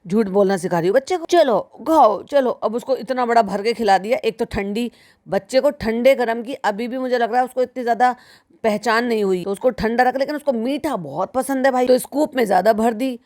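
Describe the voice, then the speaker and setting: A woman's voice: on the high side, brisk, darkish tone. A woman giving critical reaction commentary in a sarcastic, scolding manner, often speaking straight to the listener. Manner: sarcastic, scolding, mimics the people she mocks; keeps addressing the listener as "bhai sahab".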